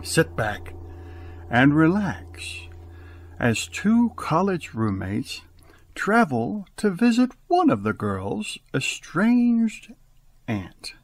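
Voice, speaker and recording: A man hosting as director, giving a theatrical scripted radio introduction with dramatic, deliberate pauses. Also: fairly high pitch, huge pitch swings. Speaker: director and host.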